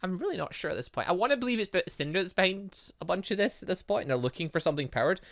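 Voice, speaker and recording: Animated, bright-voiced man doing let's-play commentary. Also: high-pitched, racing, creaky, no echo, clean studio sound. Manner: excitable, rambling, thinks aloud with asides and exclamations. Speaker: gaming channel host. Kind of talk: let's-play commentary, reading game dialogue aloud.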